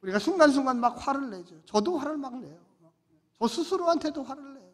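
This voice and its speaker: A male pastor preaching a sermon, his voice high for a man and ringing out in a church with a long reverb tail. He presses hard on rhetorical questions, repeating them and swinging between loud, driving lines and quiet asides. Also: animated, a little fast. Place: church sanctuary.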